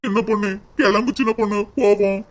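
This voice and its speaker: An exasperated brother in a cartoon family drama, voiced by a performer. He reproaches his wife in a mid-pitched, plain voice. He is torn between his wife and his sister. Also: fairly even intonation, fairly quick, natural voice. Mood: reproachful. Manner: reproachful, shouting at times.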